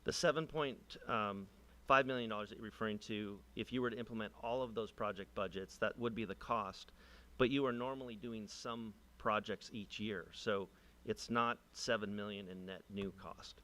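A man with a fairly low voice speaks as a consultant at a public meeting. He explains and clarifies in answer to questions. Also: normal speed, pushed and bright. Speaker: technology consultant.

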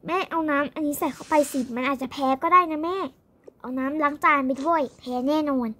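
A young girl improvising a roleplay story with toy-game characters, excitable and repeating words rapidly. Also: sits high.

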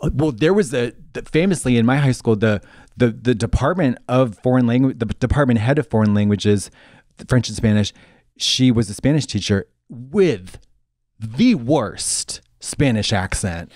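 Animated man in his thirties on a handheld mic, his pitch swinging around as he chats and slips into mimicked voices. the room sounds tight and dry, with nothing behind him. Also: moderate pace, dry recording. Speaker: podcast co-host. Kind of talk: casual chat. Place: small decorated studio indoors.

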